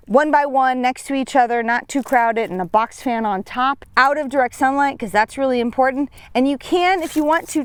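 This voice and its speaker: Young woman, gardening teacher, chatty and self-deprecating, slightly high voice, dry close sound. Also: clear, resonant tone, no room sound. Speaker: seed company gardener. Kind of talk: outdoor gardening tutorial. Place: outdoors on a farm.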